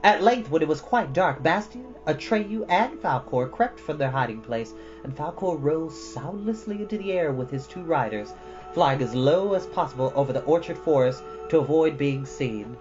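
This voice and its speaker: Expressive male storyteller with lively pitch. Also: moderate pace. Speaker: storyteller reading a children's novel. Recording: dull lo-fi audio with music. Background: background music.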